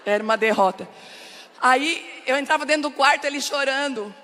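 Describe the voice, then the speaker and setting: Animated, high-voiced woman pastor. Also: moderate pace. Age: middle-aged. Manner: emotional, laughing and crying as she tells the story; talks directly to the audience, very animated. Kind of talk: sermon with personal storytelling.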